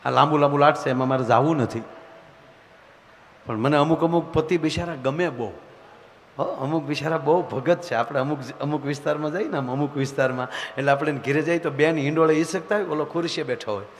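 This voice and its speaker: A man's voice: fairly high pitch, brisk. A man telling teasing comic stories on stage before a live audience. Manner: chatty, teasing, acts out scenes. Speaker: folk comedian at a dayro. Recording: live stage hall with faint noise.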